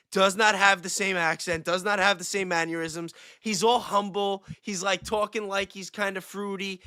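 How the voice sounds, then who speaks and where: Bright, high-voiced man chatting casually. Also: no echo, studio quality. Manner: slangy, emphatic, repeats points. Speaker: livestream panelist. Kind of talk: casual chat.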